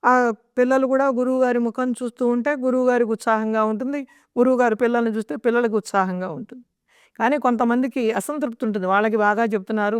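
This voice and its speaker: A woman giving a devotional discourse, explaining scripture and telling stories in an unhurried, explanatory way into a close microphone. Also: on the high side, clean tone, no echo. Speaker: devotional speaker. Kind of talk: religious discourse with storytelling.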